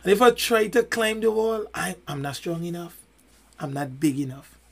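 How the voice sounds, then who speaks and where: A man's voice: high voice, lively intonation, a bit bright. A man co-hosting a casual podcast discussion, making emphatic points with rhetorical questions and long analogies. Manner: fills pauses with many "you know"s. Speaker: podcast co-host.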